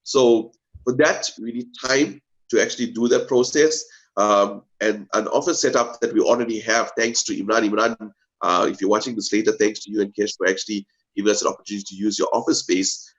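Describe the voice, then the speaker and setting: A man's voice: on the low side, steady tone, a little fast, highs cut off. A man speaking earnestly as a guest on a video call, hesitating with many fillers. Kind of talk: casual pitch talk.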